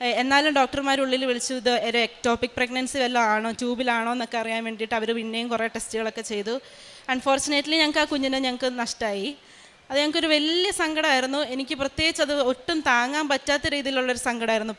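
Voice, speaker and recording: A woman, a maternity nurse, giving an earnest personal testimony in a quick flow of speech with many hesitation sounds, recorded in a large church hall. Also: on the high side, fairly bright tone.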